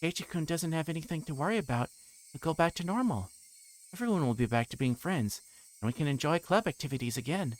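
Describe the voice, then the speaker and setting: Man voicing an eerie, high-pitched insistent teenage girl. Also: animated, fast, natural voice, rough recording. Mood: eerily sweet. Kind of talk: visual novel character read aloud.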